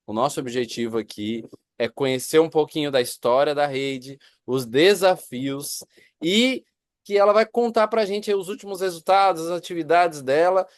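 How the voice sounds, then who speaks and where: A man, a pastor, who hosts a church interview, asking quick, upbeat questions and leading a prayer. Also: fairly high pitch, smooth, dry recording, studio quality. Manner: upbeat, rapid questions with affirmations.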